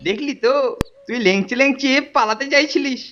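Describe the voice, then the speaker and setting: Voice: sits high, normal speed, muffled recording, very noisy, lightly acted. A performer voicing a boastful, teasing teenage senior schoolboy bully in a Bengali cartoon. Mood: taunting. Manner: taunting, boastful. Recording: music behind the voice.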